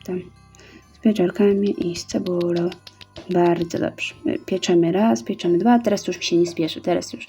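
Mellow-voiced woman chatting through a game. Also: lowish voice, steady tone, normal speed, breathy edge, soft background music. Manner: chatty, reads orders aloud and counts out steps. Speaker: gaming YouTuber. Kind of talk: casual let's-play commentary.

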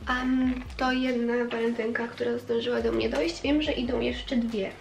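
Woman in her twenties, congested pinched-nose sound, fairly high pitch, casual vlog chat. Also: level tone, moderate pace, creaky. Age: 20s. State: stuffy nose from a cold. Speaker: vlogger. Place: small bedroom, indoors. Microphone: camera a short distance away on a bed.

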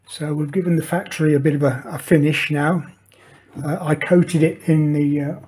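Hobby tutor, older man, husky voice, unhurried and halting. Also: fairly high pitch, a little mellow. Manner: hesitant, many fillers and restarts. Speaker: model maker demonstrating. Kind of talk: hobby tutorial, casual talk while working. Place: indoor workshop table.

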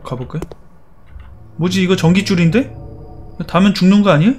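A man's voice: high voice, a little fast, a little mellow, slight background noise. A man playing a horror game and commenting, teasing the characters in playful chatter. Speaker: gaming YouTuber.

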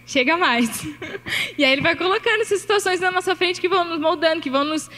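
High brazilian lady pastor, talks like a chat, lots of echo from the hall. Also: fast, bright, forceful tone. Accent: Brazilian Portuguese. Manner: chatty, conversational preaching with frequent tag questions and laughter. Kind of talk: sermon.

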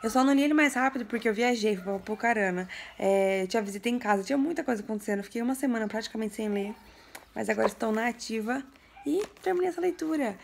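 Young woman from Brazil, casual vlog host, chatty and emotional, gravelly fry, recorded at home. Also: on the high side, fast, a little hiss or hum. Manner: chatty, emotional, laughs and cries with joy. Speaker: book vlogger. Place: home, her bedroom.

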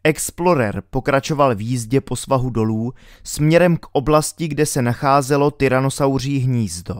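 A man reading a thriller audiobook with steady, dramatic storytelling. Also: medium pitch, no room sound, clean studio sound. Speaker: audiobook reader. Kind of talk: audiobook narration.

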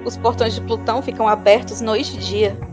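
A woman's voice: a little high, fairly even intonation, moderate pace, lightly acted. Woman acting a solemn Brazilian prophetess, music behind. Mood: solemn warning. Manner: solemn, declamatory.

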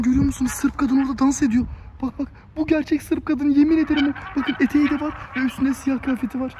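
A young man hosting a night-time horror vlog outdoors, excitable and panicky, often shouting and speaking straight to his viewers. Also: extremely high pitch. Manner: keeps addressing viewers as friends. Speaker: YouTuber host.

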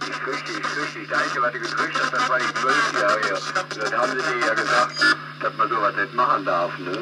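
A man's voice: mid-range voice, expressive, a little fast. A man on CB radio, hurling mocking, scornful put-downs at another operator. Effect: heard over CB radio. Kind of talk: hostile radio banter. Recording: loud static CB radio transmission.

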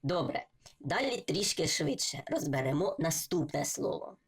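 A woman's voice: sits low, big pitch swings, normal speed, breathy edge. A woman giving a patient reading lesson for children, sounding out syllables letter by letter. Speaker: reading teacher.

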